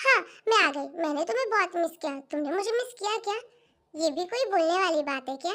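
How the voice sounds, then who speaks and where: Putting on a character voice, a woman squeaks at an extremely high pitch with lively intonation. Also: fairly quick pace. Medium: read story. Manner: pouty, emotional.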